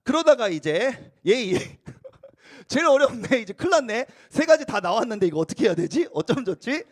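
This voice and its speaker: A man's voice: extremely high pitch, very animated, normal speed. A young male youth pastor giving a playful, interactive sermon at a church youth service and coaxing students into role-play.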